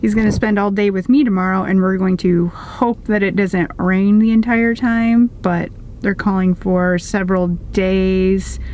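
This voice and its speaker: At a fairly slow pace, a woman speaks with very even loudness, with a dry sound with no echo and light background noise. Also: fairly even intonation. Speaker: RV vlogger. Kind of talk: casual vlog chat. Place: car. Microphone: phone near.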